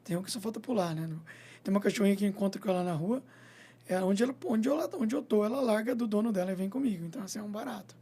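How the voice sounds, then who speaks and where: Num bate-papo informal de rádio, um veterinário que tem sua própria clínica fala muito depressa, com voz aguda, suave e levemente áspera. Bem falante, ele encena pequenas situações e enche as frases de "entendeu?" e "né?".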